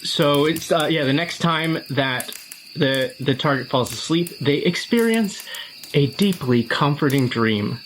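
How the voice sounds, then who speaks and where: Guy explaining his move in an rpg, casual, halting then rushed, faint crickets in the back. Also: fairly high pitch, lively intonation, a bit bright, rough recording. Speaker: tabletop role-playing player. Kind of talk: casual game table talk. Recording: background noise with chirping night insects.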